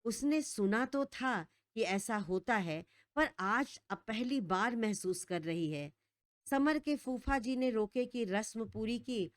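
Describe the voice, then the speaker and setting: A woman's voice: fairly high pitch, lively intonation, takes it slowly, no room sound, studio quality. Woman narrating a romantic storybook.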